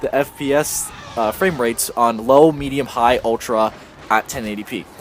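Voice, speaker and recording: A man's voice, with ordinary variation in pitch, comes through noticeable background noise. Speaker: gaming YouTuber. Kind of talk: tutorial. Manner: fast.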